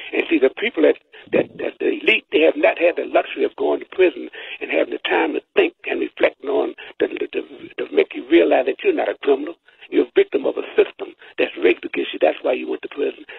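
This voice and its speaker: Speaking very fast, a man uses lively intonation at an extremely high pitch. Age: 70s. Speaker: caller. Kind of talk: call-in radio comment. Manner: repetitive, halting with many repeated words.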